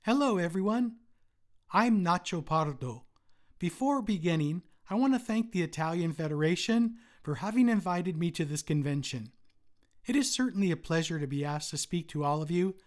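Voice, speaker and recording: A man, a retired umpire, giving a formal prepared presentation at a convention in a measured, read-aloud way. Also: on the high side.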